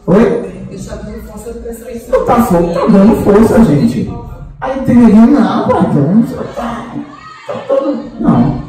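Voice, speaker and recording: Recorded from far off by a room microphone in a large, very echoey meeting hall, a man gives an informal spiritual talk to a group. His voice is high and mellow, and his chatty, teasing delivery is packed with fillers and tag questions.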